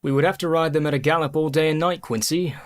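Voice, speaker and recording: An actor playing a practical, cautious young gentleman in a radio play. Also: on the high side, fairly even intonation, fast, close to an everyday voice.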